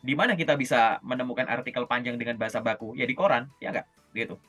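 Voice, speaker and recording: A man coaching job interview skills in a casual, lively session over a video call, often checking in with his listener. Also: medium pitch, fast talker, soft background music. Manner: lively, chatty, often checks in with "oke?" and "gitu".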